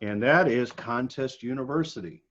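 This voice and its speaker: An American man giving an informal slide presentation, speaking haltingly with frequent pauses mid-sentence. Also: medium pitch. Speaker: guest presenter. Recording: dull, lo-fi video call audio.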